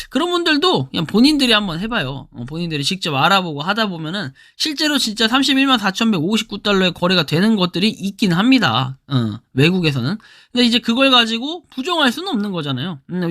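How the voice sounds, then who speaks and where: This woman, who hosts her own crypto channel, speaks in a mid-range voice with a sharp tone and a hoarse throat. She gives relaxed commentary explaining her screen and frequently begins sentences with a prompting word.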